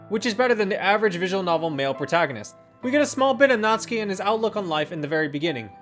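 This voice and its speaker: A video reviewer reading a scripted first-impressions narration in an enthusiastic, opinionated manner. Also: mid-range voice. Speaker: video game reviewer and host. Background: guitar and instrumental music.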